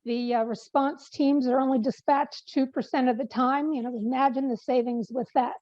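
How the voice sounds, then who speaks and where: High-voiced woman with a fading voice. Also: steady tone, moderate pace, a little mellow, no echo, highs cut off. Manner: briefing with fillers and restarts. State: losing her voice. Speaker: policy presenter. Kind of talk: online meeting update.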